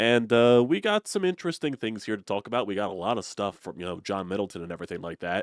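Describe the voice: A man's fast, nasal delivery with ordinary pitch variation, the sound dry and close with no echo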